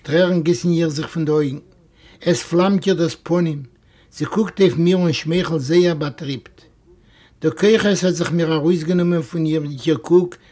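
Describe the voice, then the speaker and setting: A man reading a classic story aloud, telling it expressively and rising into animated exclamations. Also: fairly high pitch. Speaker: reader.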